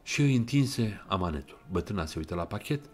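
A man narrating an audiobook retelling of a novel in an even, measured way, quoting passages. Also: on the low side, slightly rough.

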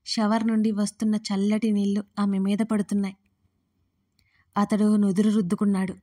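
Give me a woman reading a story aloud, steady and flat, with a warm, dark voice. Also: mid-range voice, moderate pace. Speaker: narrator. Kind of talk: audiobook story narration.

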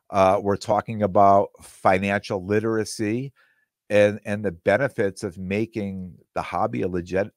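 A middle-aged man hosting his solo podcast, talking in a rambling way with restarts and repeated words, his voice a little hoarse. He speaks close into a studio mic on a boom arm. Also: a little mellow, no room sound. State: slightly hoarse, losing his voice. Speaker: podcast host. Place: small room with green-screen backdrop. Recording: dry close-miked sound.

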